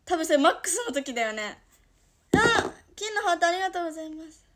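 A young woman from Toyama with a Toyama dialect, chatting casually on her livestream and reacting to viewer comments, dropping to soft murmurs and then bursting out brightly. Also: very high voice, very animated, fast talker. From Toyama, Japan. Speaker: idol livestream host.

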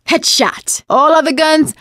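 An actress playing a sassy, wisecracking young woman surviving a zombie apocalypse in a video game, sardonic and expressive. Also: sits high, measured pace, no echo, studio quality. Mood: excited, gleeful. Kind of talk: video game combat barks and quips.

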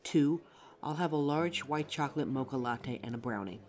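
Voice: medium pitch, moderate pace, lightly acted. A performer playing a sassy, easily needled female werewolf customer in an audio roleplay, blunt and sardonic.

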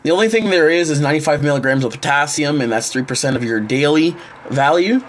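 Talking fast in a voice on the high side, this young man vlogs casually to a close handheld wide-angle camera, rambling with plenty of fillers. He's indoors at home, in a small kitchen and living room.

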